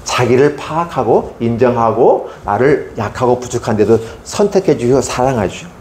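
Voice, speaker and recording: A male Sunday school preacher addressing children, animated and constantly asking them questions. His pitch is mid-range but swings widely as he speaks. The voice rings around an echoey church hall. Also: normal speed, slight background noise. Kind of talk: sermon to children.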